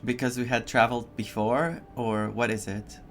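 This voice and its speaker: A man's voice: medium pitch, fairly even intonation, moderate pace, a little hiss or hum. A man doing casual gameplay reaction commentary, muttering to himself and to the game as he plays. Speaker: game streamer.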